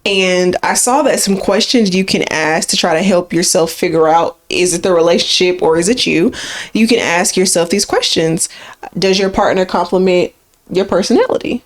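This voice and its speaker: A woman's voice: lowish voice, moderate pace. Casual woman podcast co-host. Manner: conversational, rambling, lively emphasis.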